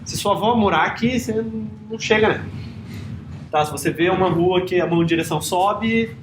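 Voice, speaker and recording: A man's voice: sits high, fairly quick, noisy background. Man lecturing in an echoey classroom. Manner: casual, checks in often with the class. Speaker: university lecturer.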